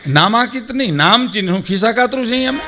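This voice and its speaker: Older male folk raconteur, Saurashtra Gujarati accent, high-pitched and animated, plays the people he quotes. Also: racing, soft background music. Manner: animated, acts out quoted speakers, addresses audience as sir. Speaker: folk storyteller. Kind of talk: dayro storytelling to a live audience.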